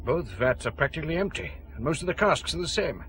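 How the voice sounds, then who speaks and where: An actor playing a wry, brisk Glasgow detective inspector in a radio drama, with a Scottish accent. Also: male voice, fairly high pitch, sing-song, a bit bright, a little hiss or hum.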